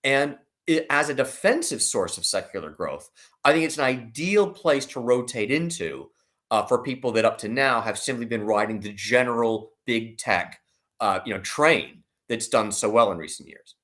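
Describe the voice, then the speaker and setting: A man's voice: mid-range voice, animated, moderate pace, a bit bright. A man giving conversational financial commentary as an interview guest, explaining emphatically and often rephrasing himself as he goes. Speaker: investment analyst guest.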